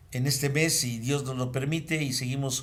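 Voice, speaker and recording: A man talks in a fairly high pitch with ordinary pitch variation and a somewhat breathy quality. Audible room echo surrounds his voice. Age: 70s. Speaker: AA veteran sponsor. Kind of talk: casual chat.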